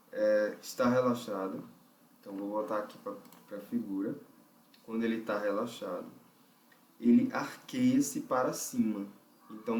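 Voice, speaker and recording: A man's voice: medium pitch, a little mellow. A man with a Brazilian Portuguese accent teaching a vocal technique lesson. He explains step by step, thinks aloud and keeps checking in with the listener. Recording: roomy, distant mic.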